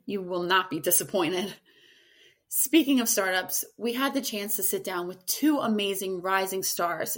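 A woman hosting a podcast, enthusiastically introducing guest clips. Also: medium pitch. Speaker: podcast host. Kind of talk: podcast episode recap.

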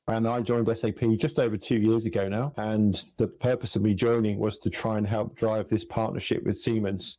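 Middle-aged businesslike podcast guest, low monotone voice, dark tone. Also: male voice, no room sound. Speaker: guest, solution manager. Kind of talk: podcast interview answers.

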